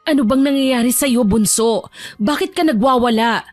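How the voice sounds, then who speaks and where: A woman voicing a calm, protective older sister in an audio drama, speaking in a measured, admonishing and soothing way. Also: fairly high pitch, no room sound, faint music behind, voice pushed up, natural voice. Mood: alarmed.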